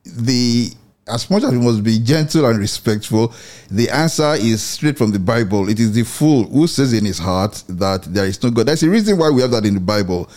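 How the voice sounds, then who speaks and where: A middle-aged man hosting a Christian radio commentary show, speaking in a measured, earnest way and often repeating his phrases. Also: mid-range voice, expressive, a little mellow.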